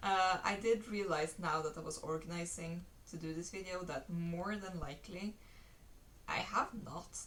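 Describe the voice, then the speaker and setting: This woman's voice sits fairly low. She talks at a moderate pace with ordinary pitch variation. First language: not English. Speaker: knitting podcaster. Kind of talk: casual video podcast show-and-tell. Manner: hesitant, many fillers.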